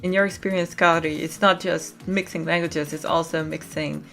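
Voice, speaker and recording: A woman hosting a podcast roundtable, moderating the discussion with some hesitant, pausing phrasing. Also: low voice, fairly even intonation, gravelly, fairly bright tone, faint music behind. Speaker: podcast host.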